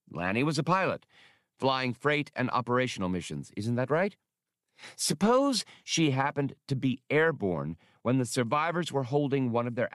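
A pedantic alien scholar from a space adventure audiobook, put on by a male narrator. The voice is raised in pitch and lectures formally, point by point, in a classroom tone. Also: fairly bright tone, no echo, studio quality.

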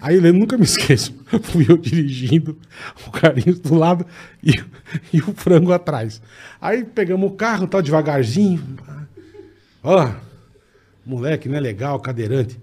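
A Brazilian man with a husky, slightly high voice spins a rowdy anecdote among friends. He is animated and profane, with lots of slang in a loose, casual chat. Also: normal speed. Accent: Brazilian Portuguese. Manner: animated, profane, laughing storyteller.

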